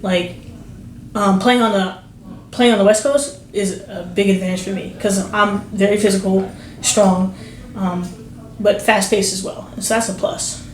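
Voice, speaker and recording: A woman's voice: mid-range voice, fairly even intonation, a little slow, echoey room, a little hiss or hum, low-quality recording. A young woman from New Jersey, a basketball recruit, answering interview questions in a loose, rambling way full of fillers and restarts. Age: young adult. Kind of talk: casual interview.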